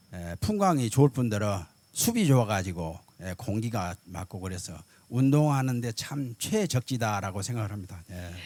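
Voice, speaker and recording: In a very clean recording with a silent background, a man with a dark, mellow tone talks at a moderate pace using very wide pitch swings. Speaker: local resident. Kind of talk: talk show interview.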